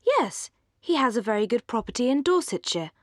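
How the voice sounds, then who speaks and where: A woman reading aloud, voicing a sensible young woman who answers in calm, measured replies. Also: on the high side, no room sound, clean studio sound. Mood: composed.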